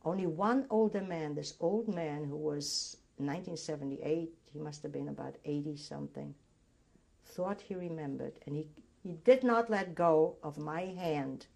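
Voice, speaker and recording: An older woman from Greece, a native Greek speaker, recalling her memories in an oral history interview, halting and restarting as she remembers. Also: sits low, gravelly, warm tone.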